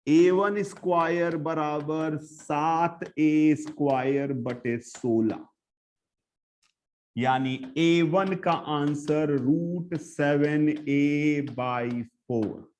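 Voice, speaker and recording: A man lecturing a physics class, switching between quiet and loud talk as he works problems and speaks to his students. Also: fairly high pitch, very slow. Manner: animated, swings between soft and loud, addresses students directly. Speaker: physics teacher.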